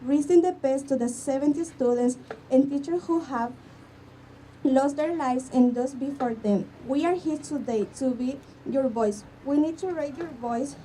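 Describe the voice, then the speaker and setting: A young woman from Guatemala with a Spanish accent, giving an earnest rally speech as a student in halting English. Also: high voice, mellow. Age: young adult. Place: outdoor school campus. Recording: distant mic, faint outdoor noise.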